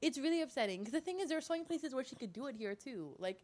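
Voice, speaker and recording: A woman's voice: sits high, expressive, rapid-fire, a little mellow. A woman with a Toronto accent in casual chat, talking in a playful, emphatic, slangy way.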